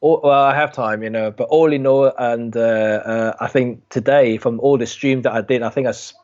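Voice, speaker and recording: A man's voice: mid-range voice, fairly even intonation, moderate pace, a little mellow. A man chatting casually as a guest photographer on a live stream, rambling with many fillers and restarts. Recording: dull lo-fi stream audio.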